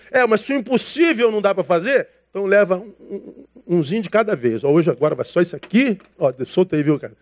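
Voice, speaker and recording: High-voiced pastor preaching casually. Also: male voice. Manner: casual, slangy preaching that calls listeners brother; acts out dialogue from his stories. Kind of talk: sermon.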